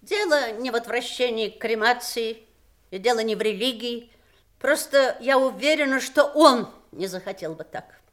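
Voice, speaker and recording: A woman's voice: fairly high pitch, moderate pace, a bit bright, natural voice. An actress playing an imperious, bitter widowed mother who scorns her grown children, theatrical and cutting in an audio stage drama. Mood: stubborn, resolute.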